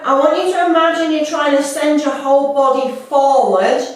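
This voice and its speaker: A woman with a slightly stuffy cold, leading a workout with calm, unhurried cueing. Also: high-pitched. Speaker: fitness instructor. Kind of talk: guided workout instruction. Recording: echoey room, mic at a distance.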